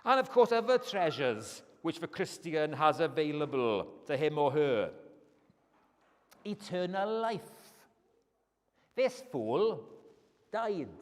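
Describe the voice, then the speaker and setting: A man with a Welsh accent preaching an earnest evening sermon in a church as a guest preacher. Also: fairly high pitch. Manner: earnest, emphatic, rising on key phrases. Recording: long church reverb.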